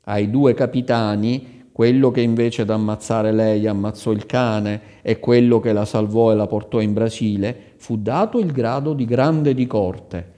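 A man reading a fairy tale aloud as an expressive storyteller, in a long reverberant hall. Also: fairly low pitch, a little slow, few pauses.

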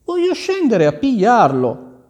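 A man doing a high, eager young girl. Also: huge pitch swings, slow, big-room sound, full character voice. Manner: bright, eager, high-pitched. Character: bold, lively young girl heroine. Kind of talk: storybook reading.

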